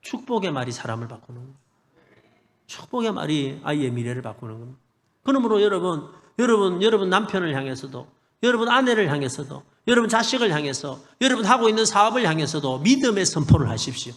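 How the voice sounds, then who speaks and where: A middle-aged male pastor with a Gyeongsang accent preaching a revival sermon, building to loud blessings and joking with the congregation. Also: high voice, sing-song, fast. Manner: preaching with rising shouted blessings and humorous asides to the congregation. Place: church sanctuary. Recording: long hall reverb in a church.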